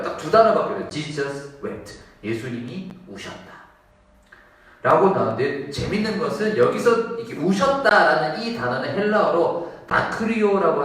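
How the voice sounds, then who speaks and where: A man's voice: sits high, a bit bright. A male pastor preaching a sermon in a church, acting out the voices of people in the Bible story. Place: church sanctuary. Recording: echoey church hall, mic at a distance.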